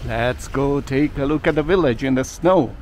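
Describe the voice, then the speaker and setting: A man's voice: medium pitch, moderate pace, a little mellow, slight background noise. Chatty man guiding a snowy walk. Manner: chatty, jokey asides to viewers. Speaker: walking tour vlogger. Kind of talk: casual walking tour narration. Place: outdoors on snowy city streets.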